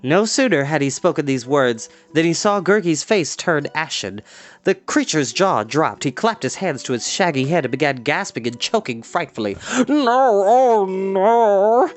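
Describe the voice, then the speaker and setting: A storyteller giving a measured, expressive reading of a scripted adventure story. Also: medium pitch, soft background music. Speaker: storyteller reading a novel aloud.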